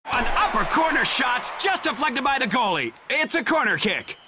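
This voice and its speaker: Very high, excited male commentator. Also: moderate pace, very noisy. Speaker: ad actor playing a soccer commentator.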